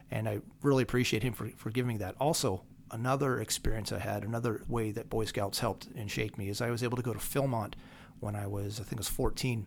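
With an American accent, a man speaks at a very fast pace and a medium pitch, with vocal fry. His intonation is fairly even. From Pennsylvania, southern Lancaster County. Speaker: firearms trainer, army veteran. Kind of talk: casual chat. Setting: office.

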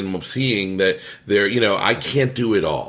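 An unremarkable speaking voice with an American accent, ordinary pitch variation and a fairly slow pace. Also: man. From South Florida. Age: 40s. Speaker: podcast host. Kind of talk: interview.

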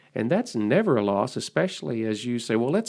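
A man talking very fast with an American accent and vocal fry. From US South, southern Arkansas. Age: middle-aged. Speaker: podcast host. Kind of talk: casual interview.

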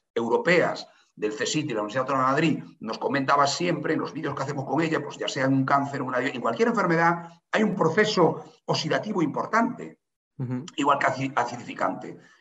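A man with a fairly high pitch talks at a fairly quick pace. His intonation is lively, and room echo is audible. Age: 50s. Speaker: company director. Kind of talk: interview.

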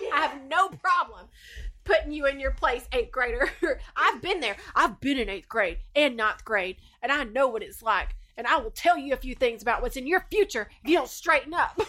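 A woman with a Southern US accent uses a raised, projected voice with a bright, sharp tone and high pitch. Her moderate-paced delivery moves through very wide pitch swings. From US South, Alabama. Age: 30s. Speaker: podcast co-host. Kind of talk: casual chat.

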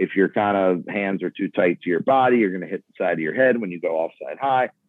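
A normal speaking voice with an American accent, at a fairly quick pace. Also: man. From Baltimore, US. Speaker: lacrosse goalie.

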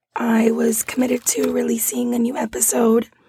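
A woman whispering slowly, raspy with vocal fry and a husky, rough edge

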